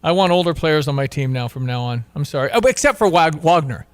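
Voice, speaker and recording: A man hosting a casual sports radio chat, chatty and quick to laugh, often restarting his sentences. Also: a little high, lively intonation, clean tone. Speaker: radio show host.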